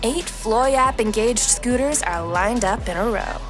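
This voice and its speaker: A woman's voice: a little high, unhurried. A woman giving scripted, present-tense narration for an audio drama. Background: music.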